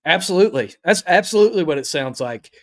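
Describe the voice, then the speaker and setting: A man co-hosting a casual sports podcast, talking in a measured, agreeable way. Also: high voice, animated. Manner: measured, agreeable, many "uh" fillers.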